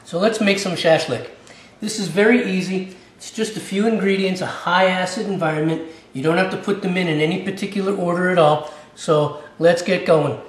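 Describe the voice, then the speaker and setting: This man runs a cooking channel and walks viewers through a recipe in a relaxed, talkative way, frequently adding "okay?" to his lines. His high-pitched voice is steady at normal speed. The sound is echoey, with the mic placed a bit far away.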